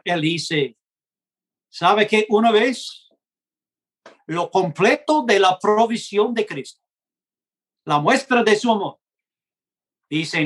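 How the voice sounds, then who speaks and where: A man preaching a gospel message in Spanish, which is not his first language, in a slow and earnest way, acting out short dialogues. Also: high-pitched, fairly bright tone, slightly rough. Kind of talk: gospel sermon.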